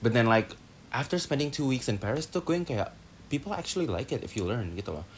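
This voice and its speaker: A man talks at a very fast pace with medium pitch. His somewhat breathy voice makes very wide pitch swings. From Indonesia. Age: 20s. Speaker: university student. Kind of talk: casual chat.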